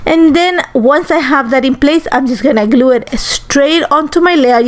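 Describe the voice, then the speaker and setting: A woman in her forties from Ecuador, chatting easily through a crafting tutorial voice-over with lots of ums and likes. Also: high voice. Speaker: crafter on a design team.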